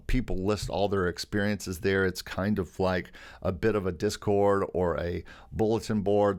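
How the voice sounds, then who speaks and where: A middle-aged man with a slightly low voice talks through a music licensing tutorial. His delivery is enthusiastic and salesy, like a friendly carnival barker. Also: darkish tone. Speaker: YouTube host teaching music licensing. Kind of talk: upbeat promotional tutorial.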